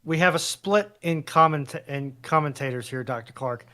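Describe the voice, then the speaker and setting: A man's voice: on the high side, moderate pace, sharp tone. A man on a discussion panel, chatting casually and putting questions to the others. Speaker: panel commentator, reads out questions. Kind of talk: casual chat.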